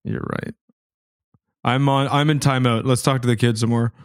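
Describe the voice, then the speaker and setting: A man co-hosting a comedy podcast, rambling jokily and quick to laugh. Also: medium pitch, fairly even intonation, clean tone, no room sound, studio quality. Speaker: podcast co-host. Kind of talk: casual comedic banter.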